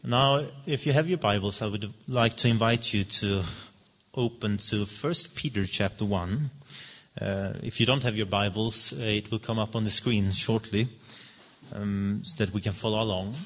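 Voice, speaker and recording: Earnest Swedish-born preacher in a reverberant hall. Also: male voice, lowish voice, a bit bright. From Sweden. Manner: earnest, halting with fillers and restarts. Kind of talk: sermon.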